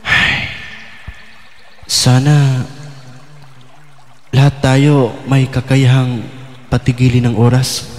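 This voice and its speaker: A man's voice: mid-range voice, little pitch movement, drawn-out words, pauses often. An actor playing a troubled, doubting young man in love in an audio drama, speaking in a brooding, vulnerable, hesitant way. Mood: wistful. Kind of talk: Filipino audio drama acting, intimate dialogue. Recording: long hall reverb over music.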